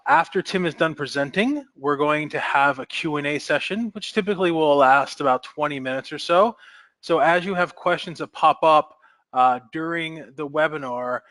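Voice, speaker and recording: A man's voice: fairly high pitch, a bit bright, no echo. Man, webinar moderator, upbeat, filler-heavy, dry close sound. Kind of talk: webinar hosting.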